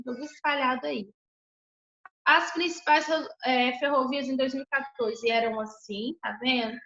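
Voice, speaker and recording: A woman's voice: high-pitched, pushed and bright. A woman teacher giving an online class by video call from home, often checking in with her students as she explains. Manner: ends phrases with checking tags. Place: home room. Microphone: computer on video call. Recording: echoey room, slightly dull sound.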